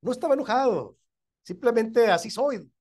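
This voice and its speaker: Mexican pastor lecturing a church class. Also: male voice, extremely high pitch, animated, moderate pace, a little mellow. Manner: keeps checking in with the listeners, chuckles often.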